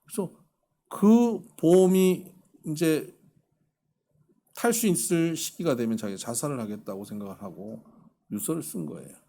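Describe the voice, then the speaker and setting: A middle-aged male pastor giving a sermon, telling a story quietly and then rising into fervent exhortation. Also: fairly high pitch, normal speed, gravelly, pauses often.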